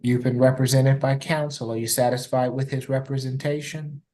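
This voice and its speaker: A man's voice: medium pitch, little pitch movement, normal speed, warm tone. A man speaking as a judge, putting formal plea questions in a polite, procedural courtroom manner.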